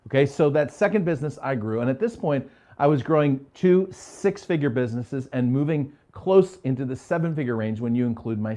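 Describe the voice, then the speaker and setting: A man's voice: mid-range voice, warm tone. Middle-aged man telling business stories. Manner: conversational, checks in with "okay?". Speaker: business coach. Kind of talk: storytelling business talk to a live audience. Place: home office.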